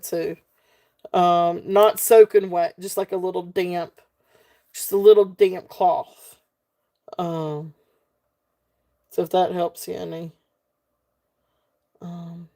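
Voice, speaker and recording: On the low side and in a relaxed Southern drawl, a middle-aged woman hosts a live jewelry auction. She's slow, chatty, and folksy, describing each piece with frequent ums and soft laughs in a casual live-stream sale.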